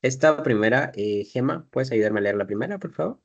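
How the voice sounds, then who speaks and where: A man's voice: mid-range voice, expressive, brisk, creaky, breathy edge, highs cut off. Patient male teacher. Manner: patient, explains step by step, drills pronunciation. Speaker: English teacher. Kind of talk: classroom teaching.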